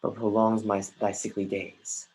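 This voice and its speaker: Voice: low-pitched, flat delivery, unhurried, darkish tone, slight background noise, rough recording. An actor playing Hamlet, an anguished young prince, declaiming Shakespearean verse in an accusing, scornful way, swinging from muttering to outbursts and sometimes stumbling on lines. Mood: brooding, vengeful. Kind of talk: dramatic reading of Shakespearean verse. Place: remote livestream from home.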